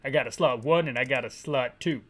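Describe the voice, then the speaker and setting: A man voicing a gruff, confused middle-aged male agent who grumbles in a low, drawling way. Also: fairly quick, a bit bright, natural voice. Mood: grumbling.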